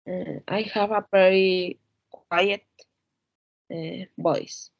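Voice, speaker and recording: A woman student reads out answers slowly and hesitantly, pausing with "uh" between words. Her voice sits at a mid pitch. The audio is dry and somewhat dull, like lo-fi call audio. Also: steady tone, vocal fry, no room sound. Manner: hesitant, fills pauses with "uh". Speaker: English student. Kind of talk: answering lesson exercises.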